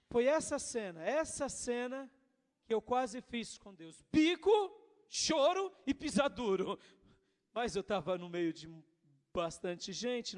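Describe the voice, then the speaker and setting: Male pastor, high voice, storytelling sermon, long church-hall reverb. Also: a little mellow. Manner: storytelling preacher, addressing the congregation as brothers.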